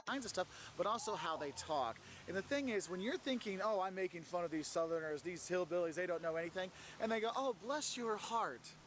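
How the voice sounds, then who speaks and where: A man with a high voice explains a point emphatically, addressing the viewer directly. Faint outdoor noise sits behind him, with traffic passing somewhere nearby. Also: animated, a little fast, few pauses, a bit bright. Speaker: video creator. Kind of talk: explanatory vlog talk.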